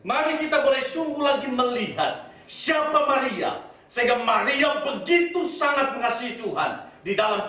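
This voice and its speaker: Male pastor, sermon, deliberate, repeats phrases, high voice, distant mic. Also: bright, forceful tone. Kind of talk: sermon with scripture reading. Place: church hall. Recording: very echoey hall, voice from far off.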